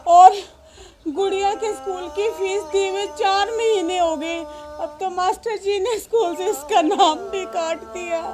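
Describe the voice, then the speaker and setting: A woman acts out a worn-down wife in a homemade drama, pleading softly and on the edge of tears. Her voice is very high, and music plays clearly beneath it. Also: a little slow. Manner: meek, tearful pleading. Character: poor, weary wife pleading with her drunk husband. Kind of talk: amateur short drama. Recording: music playing under the voice.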